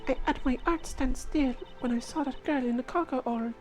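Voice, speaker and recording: A woman's voice: sits high, moderate pace, pitched above the performer's own voice, close to an everyday voice. A woman voicing a defeated female jewel thief from a game, confessing in a put-on accent. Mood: anxious, confessing.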